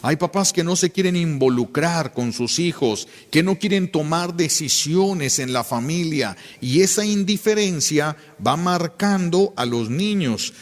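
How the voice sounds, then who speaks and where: A man's voice: fairly high pitch, animated, measured pace, few pauses, long reverb tail. A man, a priest giving an emphatic sermon and repeating key phrases for weight.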